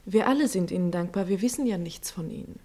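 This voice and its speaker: A woman acting in a German radio play as a respectful hospital nurse, soft-spoken, hesitant and earnest. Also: lowish voice, animated, quick pace. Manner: hesitant, hushed.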